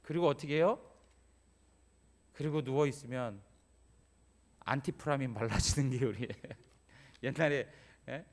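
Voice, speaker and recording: A male pastor delivering a Sunday sermon in a church, talking conversationally and often checking in with the congregation. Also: mid-range voice. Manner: conversational preaching, frequent "예?" prompts to congregation. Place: church sanctuary.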